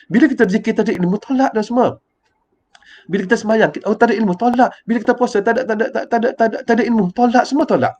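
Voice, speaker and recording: An older preacher speaking with a Malaysian Malay accent fires off a live-streamed religious talk in a high, rapid voice with a darkish tone, and the recording sounds lo-fi. He rambles, repeats words and grows emotional, referring to himself in the third person by his title.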